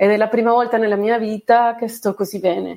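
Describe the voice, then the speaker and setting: A woman speaks with a fairly high pitch. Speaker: wedding and portrait photographer. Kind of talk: interview. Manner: animated.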